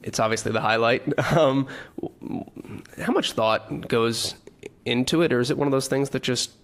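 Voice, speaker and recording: A man hosts a podcast interview, his voice sitting at an ordinary middle pitch. His questions run long and wander, padded with "um" and self-corrections. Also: normal speed. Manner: asks long rambling questions with fillers. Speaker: podcast host.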